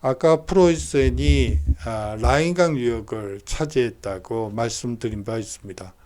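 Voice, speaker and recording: A man's voice: medium pitch, a little slow, darkish tone. A man giving a recorded university history lecture, explaining steadily with frequent hesitation fillers.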